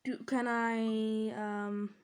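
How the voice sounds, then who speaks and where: A woman talking casually over her gameplay as a gaming channel host, chatty and rambling, quick to laugh and exclaim. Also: on the high side, level tone, clear, resonant tone.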